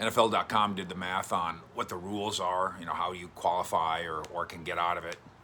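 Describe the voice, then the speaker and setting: A man speaks quietly in a very deep, low voice. His pace is moderate. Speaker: sports reporter. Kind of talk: video commentary. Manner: quiet, held back.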